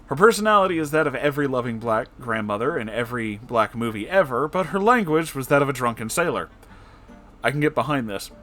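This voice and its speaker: A man reading internet stories aloud in an expressive, effusive way, breaking in with casual, emotional asides. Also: mid-range voice, quick pace, soft background music. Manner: emotional, effusive, reactive, profane.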